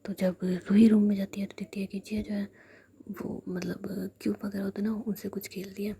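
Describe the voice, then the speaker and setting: Whispering woman storyteller, dark hushed voice. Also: medium pitch, level tone, gravelly, a little hiss or hum. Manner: hushed, intimate, unhurried.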